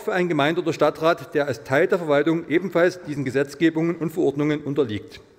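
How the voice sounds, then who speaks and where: A man talks at a fairly quick pace. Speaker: city council member. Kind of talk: political speech. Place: hall. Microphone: podium.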